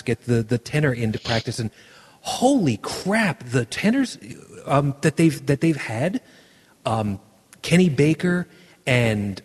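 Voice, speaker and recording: Husky animated man in a reverberant room. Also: medium pitch. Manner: rambling, searches for words, many restarts. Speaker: podcast host. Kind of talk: casual chat.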